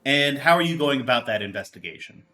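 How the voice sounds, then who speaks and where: A man speaking casually as a game master, narrating in a halting, rambling, informal way. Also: mid-range voice, animated, sharp tone.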